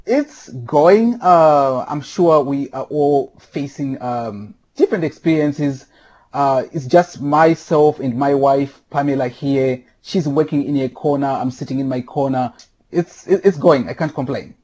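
A man from Zimbabwe, a podcast guest speaking from home, answering thoughtfully with frequent pauses. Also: mid-range voice, a little mellow. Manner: thoughtful, with many filler pauses. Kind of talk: casual interview answers. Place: home during quarantine.

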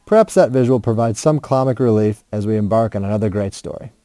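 A man with a fairly low, warm voice speaks quickly, and the sound is clean and studio-like with no echo. He hosts a casual interview podcast from home, friendly and a bit self-deprecating, recording with his home podcast mic while wrapped in a heavy blanket.

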